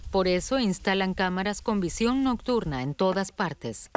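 A woman's voice: medium pitch, expressive, moderate pace, background noise. A woman reading scripted narration for a nature documentary. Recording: music behind the voice. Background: documentary music.

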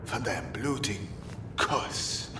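An actor playing a bloodthirsty, mocking gang thug with a sneering, theatrical manner in an audio drama. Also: male voice, expressive, slow pace. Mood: mocking, sinister. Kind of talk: German audio drama acting. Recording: distant roomy echo, clear rumbling noise.

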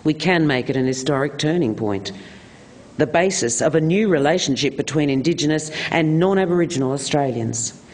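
A man reading a political speech aloud in a measured, deliberate oratorical manner, with emphatic repeated phrasing. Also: fairly high pitch, lively intonation. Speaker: reader of a famous political speech on stage.

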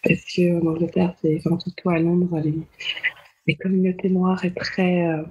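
Woman around 30 hosting a podcast, really husky n flat, soft dark voice, slightly dull audio. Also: lowish voice, normal speed. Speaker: podcast host. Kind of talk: reflective conversational interviewing.

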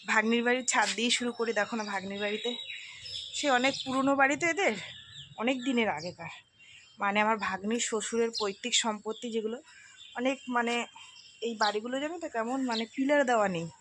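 A middle-aged woman chatting to her viewers as she walks around an old house, sometimes lowering her voice. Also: background noise. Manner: chatty, addresses viewers directly; hushed in places so as not to wake sleepers. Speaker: vlogger. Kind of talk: casual walk-through vlog. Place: old house, rooftop and rooms.

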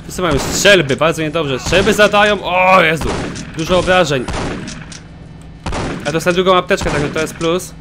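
A man giving excitable let's play commentary, swearing often as he plays. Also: fairly high pitch, normal speed, long pauses, background noise. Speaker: gaming commentator.

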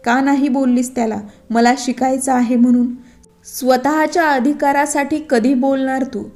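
A woman's voice: sits high, fairly even intonation, moderate pace, darkish tone, soft background music. A woman voicing a kind, firm mother-in-law. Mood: encouraging. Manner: affectionate but firm.

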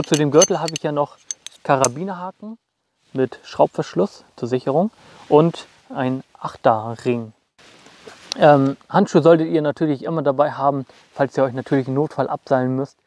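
Filmed in snowy woods with a clip-on mic, a young man casually shows off his outdoor gear and speaks straight to the camera. His mid-range voice has a darkish tone on a dry recording, and his chatty delivery is full of fillers.

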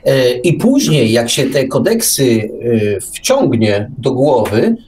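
A radio host who loves books speaks in a mid-range, somewhat dark voice, moving slowly with wide swings in pitch. He digresses through an unscripted discussion and keeps restarting his phrases, picked up by a distant mic with faint background noise.

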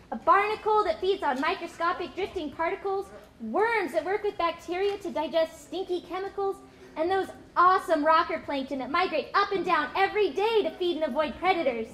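A woman's voice: very high voice, normal speed, slight background noise. A woman puppeteer voicing a lost, eager young whale in a live puppet show. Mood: cheerful. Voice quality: bright, excitable. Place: stage in a hall.

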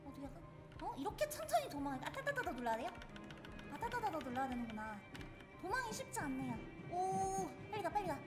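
A woman streamer giving live gameplay commentary, excitably and playfully shouting threats at the game, with game music behind her. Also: very high voice, a little fast. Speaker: VTuber streamer.

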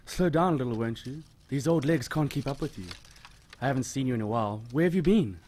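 Casting: man as elderly, ingratiating neighbour, rapid coaxing speech, radio drama, slight background noise. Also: mid-range voice, lively intonation, darkish tone, lightly acted. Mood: coaxing, friendly. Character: old man, Mister Murdoch, overfriendly neighbour to a boy. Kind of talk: audio drama acting.

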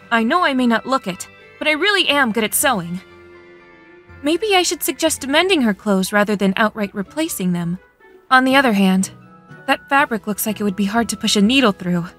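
A woman's voice: on the high side, a bit bright. A woman voicing an earnest, easily flustered young female warrior in a fan dub of an anime game.

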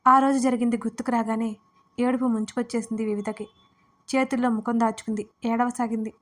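A woman narrating an emotional romance audio story in a steady, gentle storytelling manner. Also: fairly high pitch, brisk.

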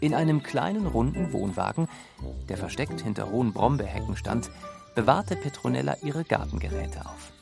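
A man with a gravelly, creaky voice narrates a children's story. His pitch is medium, and music plays behind his scripted storybook telling. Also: lively intonation, moderate pace.

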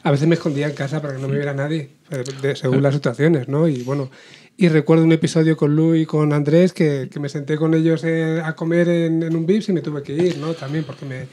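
Fast-talking man, candid. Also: fairly high pitch, little pitch movement, mellow, a little hiss or hum. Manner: candid, rambling, frequent restarts. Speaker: company co-founder. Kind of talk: emotional podcast conversation.

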